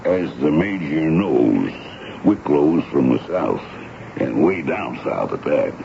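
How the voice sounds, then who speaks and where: An actor playing a gruff, folksy army sergeant in a 1970s radio drama, speaking ungrammatically and respectfully to his superior. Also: extremely low pitch, sing-song, slow, exaggerated voice. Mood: suspicious. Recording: dull, noisy old radio broadcast recording.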